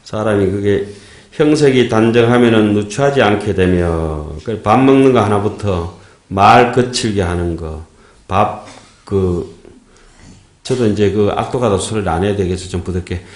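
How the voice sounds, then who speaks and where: A monk gives a sermon in a fairly low voice. He talks in a folksy, joking way and keeps checking in with his listeners. The echo of a temple hall surrounds him. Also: moderate pace. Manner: folksy, joking, asks the audience "예?". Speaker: Buddhist monk giving a dharma talk.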